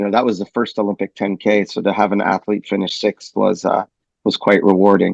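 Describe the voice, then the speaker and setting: A man with a Californian accent talks at a fairly quick pace in a fairly low voice. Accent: American, Californian. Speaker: swim coach. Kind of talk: casual interview chat. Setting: podcast interview. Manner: halting, many fillers and repeats.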